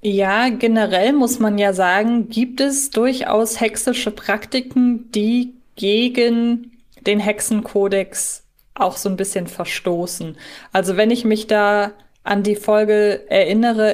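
A woman co-hosting a podcast, explaining things thoughtfully in a casual discussion. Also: medium pitch. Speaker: podcast co-host.

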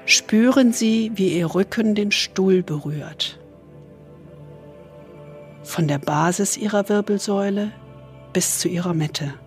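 A woman leads a guided meditation in a soft, soothing spa manner, leaving long pauses and trailing into breathiness. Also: mid-range voice, faint music behind. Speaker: host guiding a relaxation exercise.

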